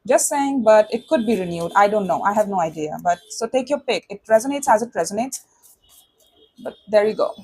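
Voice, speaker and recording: A woman's voice: mid-range voice, expressive, a little fast, mellow, breathy edge, poor audio. A woman with a lisp and slushy s sounds, giving a casual, conversational tarot reading to viewers and often checking in with short tag questions. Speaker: tarot reader.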